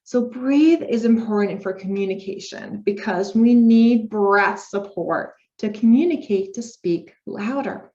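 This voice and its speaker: Woman, speech therapy lecturer, upbeat, step-by-step explaining, medium pitch, muffled lo-fi sound. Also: a little slow, few pauses, dark tone. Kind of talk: informal recorded lecture. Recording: dull lo-fi recording.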